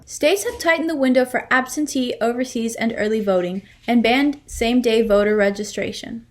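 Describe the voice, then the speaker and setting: A woman's voice: on the high side, moderate pace, lightly acted. A woman performing scripted readers theater in an earnest, firm, explanatory manner as a fair-minded advocate. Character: fair-minded woman defending a voter's rights.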